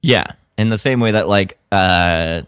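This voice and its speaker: A man with a fairly deep, clean and resonant voice co-hosts a fan podcast. He chats informally, and the sound is dry with no room echo. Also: a little slow, a bit bright, clear, resonant tone. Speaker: podcast co-host. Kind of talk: casual fan chat.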